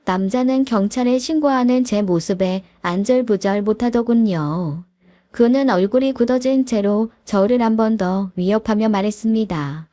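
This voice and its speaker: A woman's voice: a little high, normal speed, warm tone, no room sound, studio quality. A woman telling a first-person story as scripted narration, recounting events in a plain storytelling manner.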